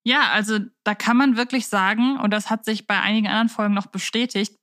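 A woman's voice: mid-range voice, fairly even intonation, fast talker, fairly bright tone, no echo. A woman with a mid-range voice co-hosts a podcast. She talks conversationally and reflectively, laying out her thoughts in detail. The sound is dry, with very little room in it. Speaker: podcast co-host.

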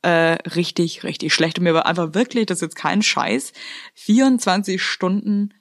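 A woman's voice: on the low side, normal speed, dry recording. A woman co-hosting a chatty podcast, talking loosely and cursing freely. She drops into playful, theatrical rants. The sound is dry and close to the mic. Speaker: podcast co-host. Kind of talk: casual chat.

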